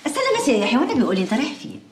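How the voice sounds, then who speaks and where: Brief: fast-talking Egyptian worried young wife, emotional. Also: female voice, fairly high pitch, big pitch swings, very noisy. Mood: teasing. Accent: Egyptian Arabic. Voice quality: pleading, emotional. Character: devoted anxious young wife. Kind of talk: TV drama acting.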